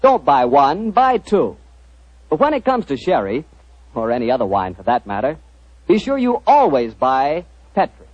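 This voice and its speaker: A man working as a radio announcer and host, with a smooth, persuasive pitchman manner, in 1940s style. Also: huge pitch swings, moderate pace, a little mellow, no room sound. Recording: muffled old radio broadcast.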